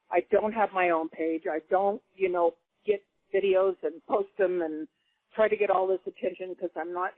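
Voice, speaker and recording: A woman guest on a radio talk show telling stories in an animated, laughing way. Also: lowish voice, dry recording. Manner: animated storyteller, laughs often. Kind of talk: casual radio chat. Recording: dry phone-line call audio.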